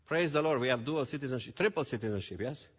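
A man from Romania preaching a sermon as pastor, swinging between loud declaiming and quiet asides, dropping in English phrases. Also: mid-range voice, lively intonation, slightly rough. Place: church hall. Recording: dull sound with long hall reverb.

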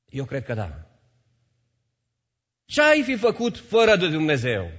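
A male pastor preaching a sermon in a church hall, emphatic, repeating phrases and swinging between loud and soft. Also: on the high side, breathy edge. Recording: reverberant hall, dull sound.

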